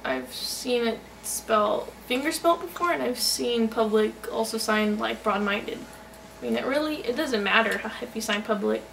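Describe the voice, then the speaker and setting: Female interpreter voicing a signed account, halting delivery, creaky voice, picked up from a distance with faint noise. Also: on the high side, fairly bright tone. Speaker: sign-to-voice interpreter. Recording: noisy, distant microphone.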